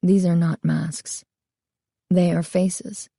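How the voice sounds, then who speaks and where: A woman reading aloud, voicing a quiet, sorrowful male mask maker who speaks softly, close to a whisper. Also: on the low side, little pitch movement, takes it slowly, gravelly, no room sound, heavily acted. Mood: hushed. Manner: soft, hushed, half-whispering.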